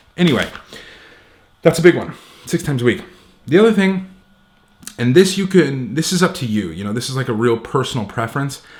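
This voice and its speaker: A man with a fairly high, somewhat breathy voice talks at a fairly quick pace. His pitch swings very widely, and he leaves long, frequent pauses. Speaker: vlogger, creative director. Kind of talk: casual vlog monologue. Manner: fast; animated.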